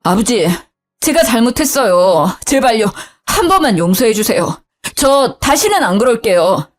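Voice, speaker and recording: A woman doing a guilty young husband, pleading and apologetic, lively pitch. Soft music beneath this storybook figure. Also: moderate pace.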